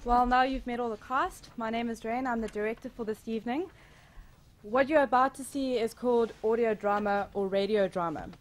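A woman's voice: on the high side, brisk, soft background music. A woman speaking as a director, giving a live spoken introduction to an audience.

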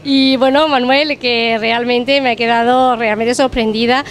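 Middle-aged female TV host, high voice, upbeat interviewer, handheld mic in a kitchen. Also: fairly even intonation, measured pace, slight background noise. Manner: upbeat, complimentary questioning. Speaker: TV reporter host. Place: restaurant kitchen, indoors. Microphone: handheld reporter mic.

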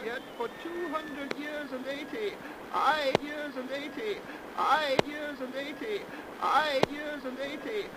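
Ancient pious priest, extremely high voice, solemn pleading, archaic phrasing, old radio drama, noisy recording. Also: male voice, slow. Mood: sorrowful, pitying. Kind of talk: 1930s radio drama acting.

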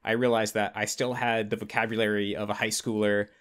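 Man, twenties, American accent, slightly low pitch, casual interview host, conversational. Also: little pitch movement, brisk, fairly bright tone, clear, resonant tone. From United States. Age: 20s. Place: bedroom at home.

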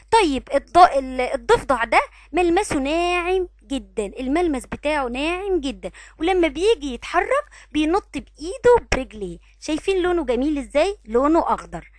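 Egyptian kindergarten teacher lady, high bouncy voice, stretches sounds out, dry close recording. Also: no room sound. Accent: Egyptian Arabic. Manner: sing-song, drawn-out syllables with frequent praise. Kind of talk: recorded online lesson for young children.

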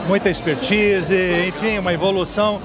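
A man's voice: high voice, steady tone, moderate pace. Upbeat man with a Rio accent. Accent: Rio de Janeiro Portuguese. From Brazil. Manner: upbeat promotional, frequent "né?" tags. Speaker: hotel general manager. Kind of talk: red-carpet interview. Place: indoor event hall, crowded party. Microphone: handheld mic held by interviewer. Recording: music and crowd behind.

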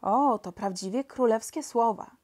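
A woman's voice: fairly high pitch, normal speed, darkish tone, close to an everyday voice. A woman playing a timid old court doctor. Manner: timid, hesitant.

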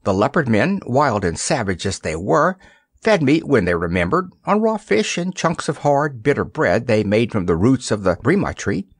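A man's voice: medium pitch, big pitch swings, normal speed, slightly rough, no echo, clean studio sound, voice pushed up. A man voicing a proud little boy king who speaks with haughty, gloomy dignity in a storybook reading. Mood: sober. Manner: haughty, solemn.

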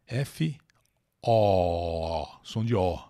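A Brazilian man hosting a live English lesson, chatting with viewers by name and stretching out words slowly to drill their pronunciation. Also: medium pitch, very animated, darkish tone. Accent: Brazilian Portuguese. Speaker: English teacher and channel host. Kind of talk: live lesson, reading and translating an article.

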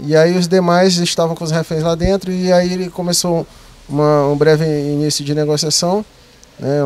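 Higher-voiced policeman. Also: a little mellow. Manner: formal police wording, frequent tag questions. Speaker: military police officer being interviewed. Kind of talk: interview account of an incident. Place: night, sheltered entrance outside a police station. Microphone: handheld mic, speaking through a cloth mask.

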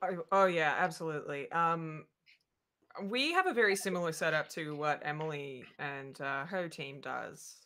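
A woman answering as a panel guest on a video call, conversational and halting. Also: sits low, animated, pushed and bright. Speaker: panel guest, actor and writer. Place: indoor room on a video call.

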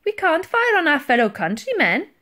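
A woman's voice: sits high, sing-song, moderate pace, bright, forceful tone, pitched above the performer's own voice, heavily acted. A woman voicing a nervous, respectful male sailor in a children's story, speaking hesitantly. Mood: respectful protest. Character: timid, respectful old sailor man, Titch.

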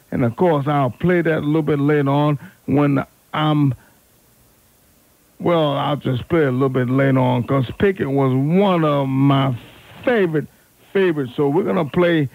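A man's voice: mid-range voice, no room sound. A man hosting an R&B oldies radio show with unscripted, fumbling chatter, repeating and correcting himself as he goes. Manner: halting, fumbling, self-correcting, repeats words. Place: radio studio. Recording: narrow, phone-like AM radio aircheck.

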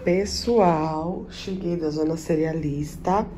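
A woman's voice: low voice, slow pace, a loud crowd. A woman in her thirties from Brazil, chatting casually to her viewers in a shopping vlog, constantly pointing things out to them. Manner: chatty, addresses viewers as "gente", lots of "tá vendo, ó?". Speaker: vlogger.

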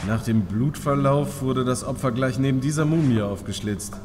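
A man's voice: medium pitch, moderate pace, a little mellow, a little hiss or hum, natural voice. An actor playing a dry, matter-of-fact male crime scene investigator in an audio drama, reporting soberly. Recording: reverberant hall, music underneath.

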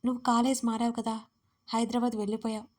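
A woman voicing a devoted young man in an audio story, speaking softly and soothingly. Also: a little high, flat delivery, fast talker, lightly acted. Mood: tender. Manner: soft, soothing, tender pleading.

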